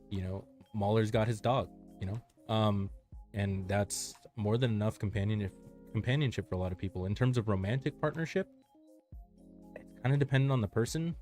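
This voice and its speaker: A man from the Los Angeles area chats easygoingly on a stream, encouraging his co-host and drifting into a relaxed story full of fillers. Faint music sits under his voice. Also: on the low side. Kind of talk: casual chat and storytelling.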